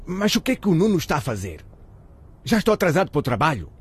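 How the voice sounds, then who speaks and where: A man playing a stern, impatient middle-aged father with a husky voice in a radio drama. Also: fairly high pitch, sing-song, fast, exaggerated voice.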